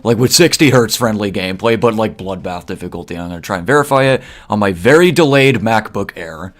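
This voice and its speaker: A man's voice: fairly low pitch, lively intonation. A young man chatting casually to his stream while gaming, rambling and restarting his sentences. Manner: rambling, halting, with repeated restarts.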